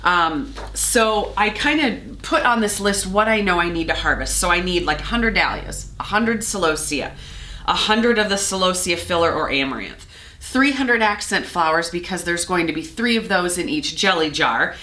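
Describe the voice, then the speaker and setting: A woman's voice: expressive, normal speed, bright, forceful tone. A middle-aged woman with a scratchy voice from a cold, chatting casually through her flower-farm vlog with frequent ums. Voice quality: scratchy, slightly lower than usual. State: hoarse from a cold. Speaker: flower farmer and vlogger.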